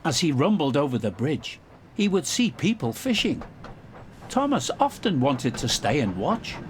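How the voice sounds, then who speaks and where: A male narrator tells a children's story from a script. His voice sits a little high and moves freely in pitch at an unhurried pace, with faint noise behind him. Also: huge pitch swings.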